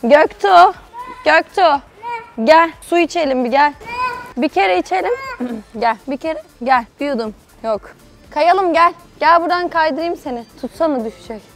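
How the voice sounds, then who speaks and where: Soft music plays behind this clip of a young woman at a playground, talking to a toddler for her casual vlog. Her voice is high-pitched with lively intonation and a slightly slow pace, and she uses playful, coaxing, sing-song baby talk full of laughter.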